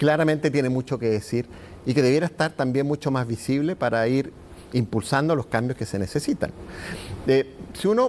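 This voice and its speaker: Fairly quick speech from a man of medium pitch, with ordinary pitch variation and noticeable background noise. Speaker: geriatrician. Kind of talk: TV interview. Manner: formal.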